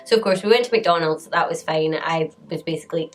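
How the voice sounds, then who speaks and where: Chatty woman with a lowish voice. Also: a little fast, faint music behind. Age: late 20s. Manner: chatty, laughs often between sentences. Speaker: vlogger. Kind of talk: storytime vlog.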